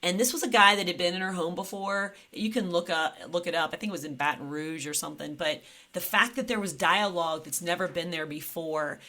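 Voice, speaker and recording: A woman's voice: on the low side, a little fast, pushed and bright. A woman co-hosting a Christian marriage podcast, speaking sincerely and thoughtfully in casual conversation.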